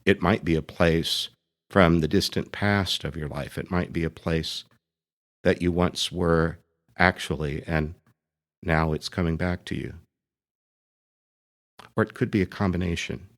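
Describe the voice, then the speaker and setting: A man speaking as a priest leading a guided meditation, gently and deliberately, pausing between short phrases. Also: deep voice, fairly even intonation.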